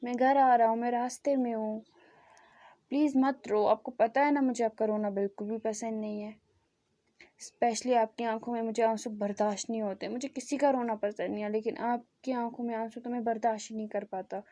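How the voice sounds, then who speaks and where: A woman's voice: on the high side, steady tone, fairly quick, natural voice. Woman voicing a caring young brother. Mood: soothing. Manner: soothing, pleading gently. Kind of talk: storytelling fan fiction.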